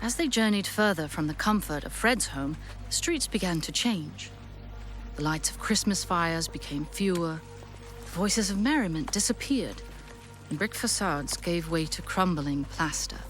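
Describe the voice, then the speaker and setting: A woman narrating a classic story for an audio drama in an expressive, measured storybook style. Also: lowish voice, soft background music.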